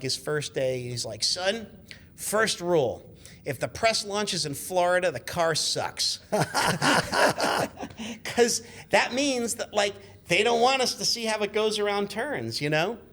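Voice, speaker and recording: A man in his fifties chatting casually as a guest, telling animated, rambling, sweary anecdotes as a car journalist. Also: high-pitched, takes it slowly. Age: 50s.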